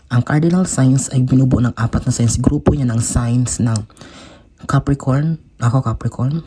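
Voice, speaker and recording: Emotional Filipino tarot reader, husky. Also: male voice, medium pitch, dark tone. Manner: emotional, sighing, mixes Tagalog and English. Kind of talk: tarot reading to viewers.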